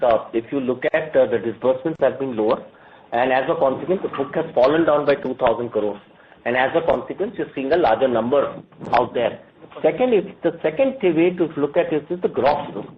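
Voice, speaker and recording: A man's voice: medium pitch, slight background noise. Indian-accented male executive on tinny phone line. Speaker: bank executive answering analysts. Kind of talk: earnings call question and answer. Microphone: telephone conference line.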